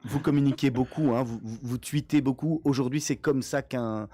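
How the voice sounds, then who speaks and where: Mellow male radio interviewer. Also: mid-range voice, moderate pace, dry recording. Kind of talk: conversational interview questions.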